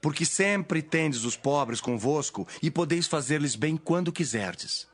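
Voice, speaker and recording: A man playing Jesus in a dramatised Bible reading, a solemn, authoritative teacher speaking in measured declamation. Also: fairly high pitch, animated. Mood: solemn, instructing.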